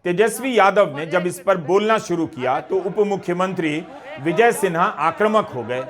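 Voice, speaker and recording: A middle-aged male presenter delivers news commentary. His voice sits fairly high, and he speaks in a measured way, posing pointed questions as he goes. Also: animated.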